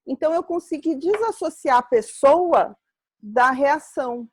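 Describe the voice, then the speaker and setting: Brazilian woman, fairly high voice, earnest and reflective, explains stuff with her own stories, dry close sound, video call. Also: animated, unhurried, no room sound. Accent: Brazilian Portuguese. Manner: earnest, explanatory, personal examples. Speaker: webinar host. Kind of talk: reflective live webinar talk.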